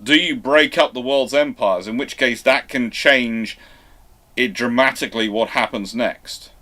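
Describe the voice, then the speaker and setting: Male history show host, mid-pitched, discursive, halting, thinks aloud and restarts sentences. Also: pushed and bright.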